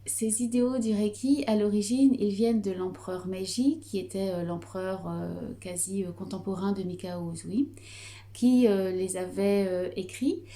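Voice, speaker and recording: A middle-aged woman with a Breton French accent explains a Reiki teaching in an unhurried, hesitant way, pausing often on fillers. Her voice is soft and dark-toned, sitting at an ordinary pitch for a woman. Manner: calm, hesitant with frequent fillers. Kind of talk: explanatory video lesson.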